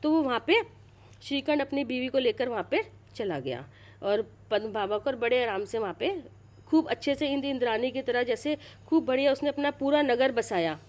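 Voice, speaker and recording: A middle-aged woman with a high, animated voice retells a religious story at a moderate pace, chatty and casual. She often repeats herself and restarts sentences, checking that her listeners follow along.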